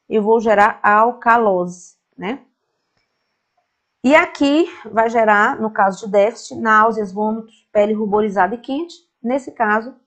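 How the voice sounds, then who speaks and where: Brazilian woman teaching a nursing lecture. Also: medium pitch. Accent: Brazilian Portuguese. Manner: explains step by step, often ending points with "tá?"; reassuring and direct toward students. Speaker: nursing exam-prep teacher. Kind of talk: online lecture.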